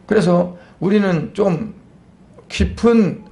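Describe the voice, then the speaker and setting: A man, a pastor, preaching a Sunday sermon in a conversational way, asking rhetorical questions and pausing on fillers. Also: high-pitched, warm tone.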